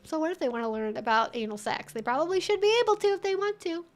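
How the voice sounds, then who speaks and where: A woman's voice: extremely high pitch, big pitch swings, fast. A woman hosting a livestream, chattily and informally reading and answering viewer comments.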